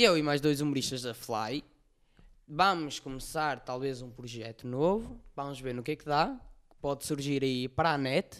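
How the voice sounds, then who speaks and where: Fairly high in pitch and fairly slow in pace, a man talks in a normal speaking voice. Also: ordinary pitch variation, big swings in loudness. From northern Portugal. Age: 20s. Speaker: comedian. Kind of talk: casual chat.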